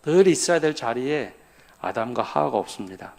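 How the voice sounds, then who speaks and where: A man's voice: medium pitch, big pitch swings, normal speed, gravelly. Pastor asking his congregation questions. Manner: keeps asking the congregation questions and answering them. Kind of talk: sermon. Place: church at a midweek prayer service.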